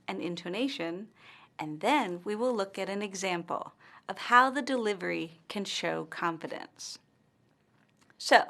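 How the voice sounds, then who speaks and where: A woman narrating a scripted language lesson, speaking slowly and carefully with clearly marked stress and pauses. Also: mid-range voice, a bit bright. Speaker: language teacher.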